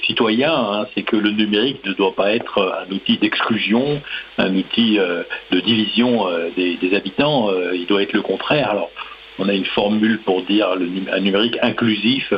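A man's voice: fairly low pitch, dull audio, a little hiss or hum. A man speaking as a guest on a radio discussion, talking with many fillers and restarts.

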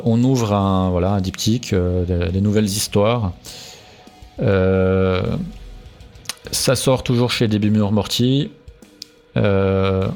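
A man's voice: fairly low pitch, darkish tone. A man being interviewed about his music, talking casually with many hesitations and restarts. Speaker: musician guest.

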